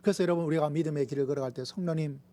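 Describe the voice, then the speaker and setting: A man preaching a sermon as pastor in a church, emphatic, repeating lists and swinging from raised lines to hushed whispers. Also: on the high side, big pitch swings, moderate pace, a little hiss or hum. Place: church sanctuary.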